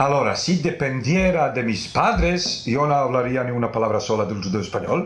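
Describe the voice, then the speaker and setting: The speaker uses lively intonation at a moderate pace. Noticeable background noise sits under the voice. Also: man, medium pitch for a man. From Sarajevo, Bosnia. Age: 50s. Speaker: Ladino speaker interviewee. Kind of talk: interview.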